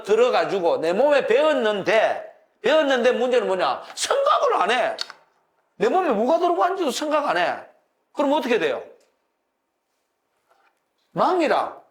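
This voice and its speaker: An older man in his sixties lectures a class in a folksy, animated way. His voice sits high for a man. He keeps checking in with his listeners and chuckles as he explains. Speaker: university professor lecturing on classics.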